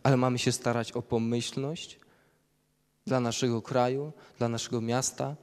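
A man's voice: medium pitch, level tone, moderate pace, a little mellow. A man preaching a sermon, reading Bible passages aloud and explaining them verse by verse. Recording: long hall reverb.

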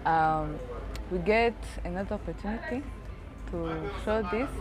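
A woman's voice: lowish voice, unhurried, over music. A woman exhibitor speaking plainly and hesitantly in an interview.

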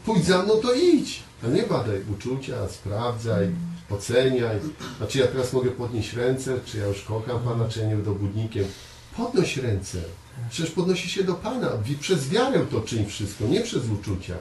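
A man preaching a conversational sermon to a small congregation, earnest, often repeating words and pausing on fillers. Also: medium pitch, expressive, darkish tone. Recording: echoey room, voice from far off, faint hiss.

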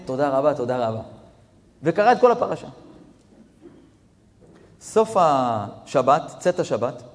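A man, a rabbi, giving a storytelling sermon that swings between hushed passages and near-shouted peaks, talking straight to his audience. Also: mid-range voice. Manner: addresses audience directly. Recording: long reverb of a hall.

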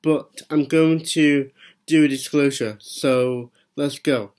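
A man's voice: medium pitch, steady tone, darkish tone. A young man who speaks with a stammer, talking casually to a webcam from a small room. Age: young adult. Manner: stammers, with long pauses and repeated words. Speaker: vlogger. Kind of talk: casual vlog to camera.

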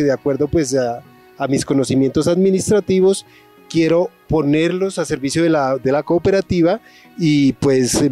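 Brief: Boyacá man, 40s, halting interview answers, handheld mic outdoors. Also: fairly high pitch, warm tone. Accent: Colombian, Boyacá. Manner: hesitant, many restarts. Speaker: guest, retired soldier. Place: outdoors in a farm field.

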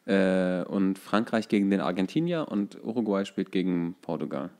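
A man's voice: low-pitched, lively intonation, moderate pace, darkish tone. A man chatting casually about football as a podcast co-host, often searching for his words.

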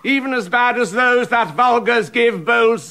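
Brief: a jealous, bitter king in a verse radio play; high, bright, forceful voice. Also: measured pace, gravelly, full character voice. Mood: furious. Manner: bitter, accusing, swinging from loud to hushed. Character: jealous, raging older king. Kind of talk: classic stage verse drama, radio play.

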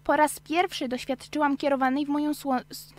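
A woman's voice: high-pitched, level tone, a little fast, close to an everyday voice. A woman voicing an earnest young female narrator in an amateur science-fiction radio play. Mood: earnest, subdued. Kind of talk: scripted radio drama reading. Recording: amateur studio take with hum.

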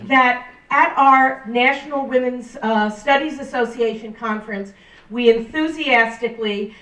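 A middle-aged woman professor giving a loud, emphatic speech at a campus event, holding a handheld mic. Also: on the high side, unhurried. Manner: loud, emphatic, listing with rising stress. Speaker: professor reading a statement. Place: large lecture room. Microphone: handheld mic, far camera. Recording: roomy hall from far off.

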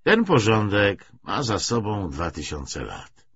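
A man's voice: on the low side, wildly swooping pitch, takes it slowly, fairly bright tone, breathy edge, dry recording, dull audio, full character voice. A man reading aloud the part of an earnest, insistent young man who questions with stiff, forced politeness. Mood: stiffly polite.

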